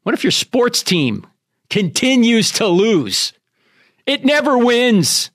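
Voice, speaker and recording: A man's voice: extremely high pitch, very animated, takes it slowly, fairly bright tone, no echo, studio quality. A man with an American accent hosting a Christian radio talk show, addressing listeners directly in an emphatic, preacherly monologue with rhetorical questions.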